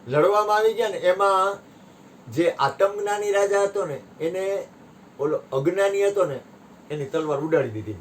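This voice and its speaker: A man giving a satsang discourse, telling parables with sharp rises and drops in his voice. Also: high-pitched, moderate pace, slight background noise. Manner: animated storytelling, voice rising and dropping sharply. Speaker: spiritual teacher.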